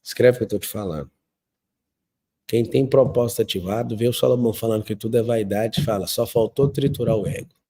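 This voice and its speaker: Emphatic Brazilian man, dark mellow voice. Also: on the low side, fairly quick, slightly rough. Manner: emphatic storyteller, acting out quotes and swinging between loud and soft. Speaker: speaker of a motivational talk show. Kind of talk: motivational talk with faith themes and family stories.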